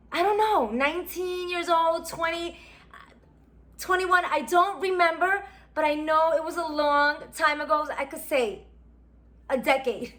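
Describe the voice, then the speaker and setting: A New York beauty vlogger in her 40s, with a high, fairly bright voice, unboxes a subscription box. She's chatty, reminiscing and musing aloud as she goes.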